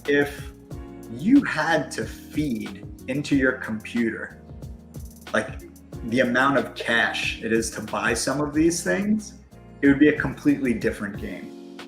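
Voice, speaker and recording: A man in his early forties, a guest in a casual interview, talking fast and filling his speech with "like" and "you know". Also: medium pitch, lively intonation, vocal fry, echoey room, music in the background. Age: 40s.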